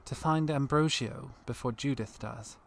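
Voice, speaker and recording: A man's voice: medium pitch, a little slow, creaky. A man playing a terse, matter-of-fact rescuer with an axe in an audio drama, dry and businesslike.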